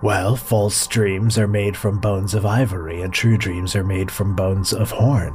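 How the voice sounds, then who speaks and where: Against clear background noise, a man in a put-on character voice speaks with a fairly low pitch at a moderate pace, with hardly any pauses. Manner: formal, pompous, dryly literal.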